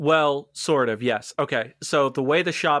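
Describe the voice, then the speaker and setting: A man with a plain, everyday voice and a fairly high pitch speaks at a fairly slow pace with ordinary pitch variation on a very clean recording with a silent background. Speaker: podcast host. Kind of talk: casual banter among friends about a video game.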